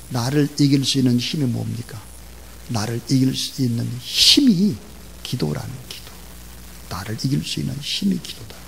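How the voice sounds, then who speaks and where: A man preaching a sermon as pastor, emphatic, swinging between loud stresses and quiet asides, asking the congregation to repeat after him. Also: medium pitch, gravelly, slight background noise.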